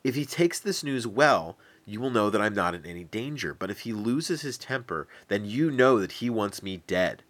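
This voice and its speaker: A man's voice: fairly low pitch, animated, normal speed, hardly any pauses, fairly bright tone. A man doing a worried young man in hiding. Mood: planning. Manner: urgent, pleading. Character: frightened young male hero in hiding.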